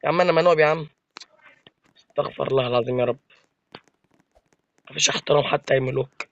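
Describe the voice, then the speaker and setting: A man's voice: mid-range voice, fast, vocal fry, dull audio. A man with an Egyptian accent giving live gameplay commentary, complaining to his viewers in an exasperated, joking way. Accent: Egyptian Arabic. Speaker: gaming video creator.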